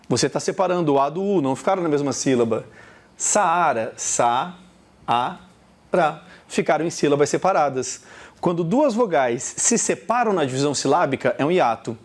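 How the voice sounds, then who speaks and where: A middle-aged man with a Brazilian Portuguese accent teaching a recorded lesson, talking straight to the viewer. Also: on the high side. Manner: animated, talks straight to the viewer.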